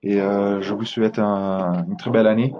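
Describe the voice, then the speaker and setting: A man's voice: on the low side, fairly even intonation, moderate pace, warm tone, lo-fi sound. A man from Italy speaking French with an Italian accent, giving a webinar presentation, hesitant with many fillers and restarts.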